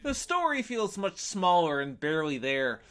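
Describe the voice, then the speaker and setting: A man with a high, very animated voice narrates a scripted video game review. He is opinionated and drops in wry, sarcastic asides. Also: moderate pace.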